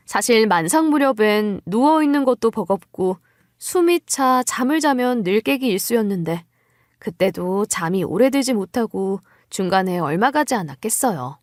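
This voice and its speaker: Higher-pitched woman narrating a dramatic story. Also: no echo, studio quality. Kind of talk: scripted first-person dramatic narration.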